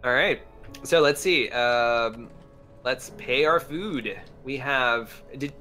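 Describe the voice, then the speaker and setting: A man with a bright, forceful voice at a middle pitch, chatting casually through a board game. He is joking and animated, with faint music behind him. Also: slow pace. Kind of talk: casual tabletop game chat.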